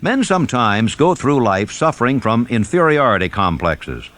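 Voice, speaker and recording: A man reading a self-help audiobook in a measured, instructive and emphatic manner. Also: medium pitch, big pitch swings, a bit bright, no room sound. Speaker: audiobook narrator.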